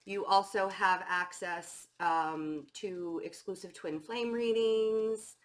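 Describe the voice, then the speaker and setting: Woman tarot reader, hoarse and stuffed up, mid pitch, loose chatty delivery full of ums and restarts. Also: fairly even intonation, slow. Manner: chatty, many fillers and restarts. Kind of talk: casual tarot reading.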